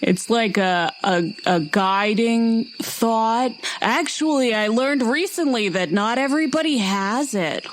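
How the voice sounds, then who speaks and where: A woman voicing a laid-back, oblivious turtle doctor in a tabletop game, speaking in a slow, hesitant drawl. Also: on the high side, expressive, a little hiss or hum. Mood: matter-of-fact.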